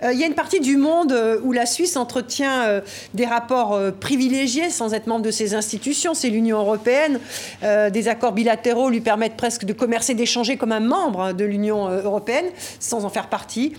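A woman's voice: on the high side, fairly quick, darkish tone. A woman interviewing a guest, guiding the questions with many filler sounds.

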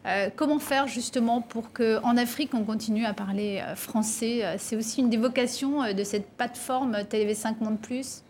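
A woman with a somewhat high voice hosts a television interview. She asks her questions hesitantly, with many fillers along the way. A faint low rumble sits behind her. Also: normal speed, hardly any pauses, darkish tone. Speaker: TV interviewer and host.

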